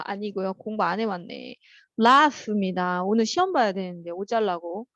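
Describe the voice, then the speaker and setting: A woman teaches an English vocabulary class, calling on students by name, explaining words in Korean, and reading English example sentences slowly and carefully. Her voice is medium-pitched and a bit bright. The recording is lo-fi with no room sound.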